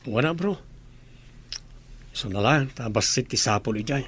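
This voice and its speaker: An actor playing Dennis, an easygoing young groom, in a radio drama. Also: male voice, mid-range voice, expressive, a little slow, a bit bright, husky.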